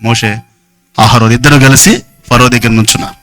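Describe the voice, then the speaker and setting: A man's voice: mid-range voice, fairly even intonation, a little fast, fairly bright tone. A man preaching a Sunday sermon in an emphatic, repetitive way, often putting questions to the congregation.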